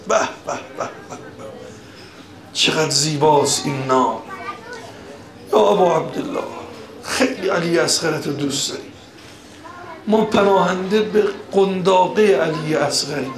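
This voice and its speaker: A male preacher delivering a mourning sermon from the pulpit. He builds into loud, impassioned lament and recites Arabic quotations in a drawn-out chant. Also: on the high side. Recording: echoey hall sound.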